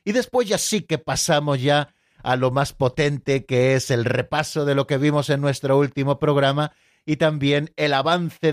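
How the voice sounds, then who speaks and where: A man's voice: medium pitch, dry recording, studio quality. A man hosting a radio catechism program, explaining earnestly and addressing his listeners directly.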